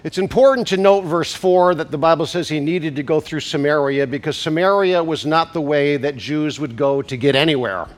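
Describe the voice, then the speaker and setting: Congested preacher with a slightly high voice. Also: male voice. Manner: rising to emphatic preaching at climaxes; slows down to stress key scripture words. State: congested from a cold. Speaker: pastor. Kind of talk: sermon.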